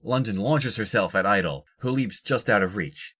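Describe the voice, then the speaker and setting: A man's voice: fairly low pitch, moderate pace, a bit bright, slightly rough. A man reading scripted narration for an audio drama.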